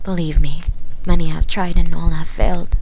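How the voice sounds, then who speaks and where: A woman reads a dark sci-fi story in a measured, expressive, dramatic narrator's style into a binaural microphone. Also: lowish voice, slight background noise, rough recording. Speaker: storytelling ASMR performer.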